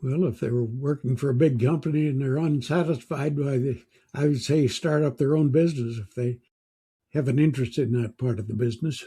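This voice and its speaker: A man's somewhat breathy, fairly high voice with an American accent, dark and mellow in tone, fairly even in intonation, at a fairly quick pace. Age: 90s. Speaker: retired business owner, former engineer. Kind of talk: interview answer.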